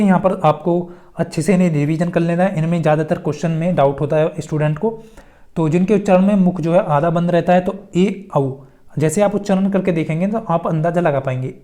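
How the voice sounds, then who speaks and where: Mellow-voiced woman teaching. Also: on the low side. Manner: instructional, repeats phrases for emphasis. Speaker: exam-prep teacher. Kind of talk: informal lesson working through multiple-choice questions.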